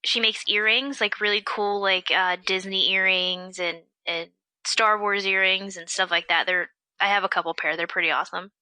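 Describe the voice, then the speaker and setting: Bright-voiced enthusiastic woman. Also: mid-range voice, fairly even intonation, normal speed, dry recording, poor audio. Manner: enthusiastic, chiming in with short reactions. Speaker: podcast co-host. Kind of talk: casual chat.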